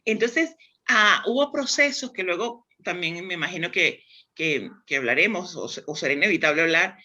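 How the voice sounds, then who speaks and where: Bright-voiced Spanish woman explaining. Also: on the low side, animated, moderate pace. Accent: Spanish from Spain. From Spain. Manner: thoughtful, explanatory, frequent restarts. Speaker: guest, demand planning expert. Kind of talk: conversational interview.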